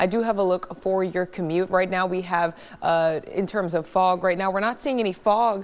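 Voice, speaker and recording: A plain, everyday voice belongs to this woman at a medium pitch. She speaks at a fairly quick pace with fairly even intonation. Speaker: traffic reporter. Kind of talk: TV traffic report.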